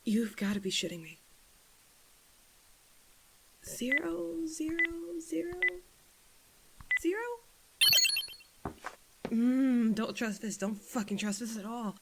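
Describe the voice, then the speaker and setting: A female spaceship captain on edge in a sci-fi audio drama. She is sarcastic and foul-mouthed, muttering frantically to herself. There is clear noise and clicking behind her. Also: on the high side, expressive, slow, pauses often, full character voice. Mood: exasperated.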